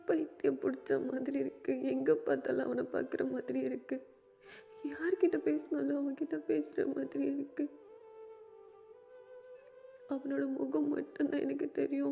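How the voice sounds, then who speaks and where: A woman's voice: high-pitched, vocal fry, warm tone, muffled recording, exaggerated voice. A woman voicing a heartbroken young man who stammers and pleads through tears. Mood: tearful. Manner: pleading, stammering, repeating himself. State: crying.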